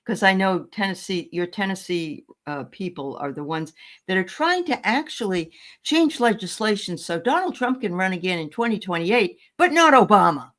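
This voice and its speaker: A woman's voice: medium pitch, expressive, normal speed, fairly bright tone. A woman from the Boston area chatting casually and opinionatedly on a group show, laughing easily. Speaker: tarot show co-host. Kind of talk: casual chat.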